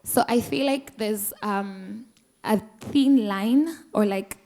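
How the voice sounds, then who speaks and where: A woman's voice: medium pitch, slow pace, warm tone. A woman speaking as a musician on a panel, earnest and impassioned. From Kenya. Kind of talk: panel discussion remarks.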